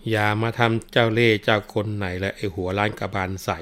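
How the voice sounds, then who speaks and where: A man voicing a gruff police officer who shouts rough threats. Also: on the low side, steady tone, a little fast, lightly acted. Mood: bellowing.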